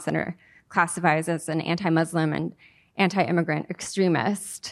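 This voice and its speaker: In a Californian accent, a woman speaks with a fairly low pitch and fairly even intonation. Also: quiet background. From San Diego, US-Mexico border. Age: young. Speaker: journalist and author. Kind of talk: panel interview. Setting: stage with audience.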